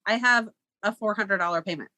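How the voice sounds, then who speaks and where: A woman's voice: mid-range voice, a little fast, sharp tone, no room sound. A woman guest on a podcast telling a success story in an upbeat way, laughing between lines. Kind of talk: casual podcast chat.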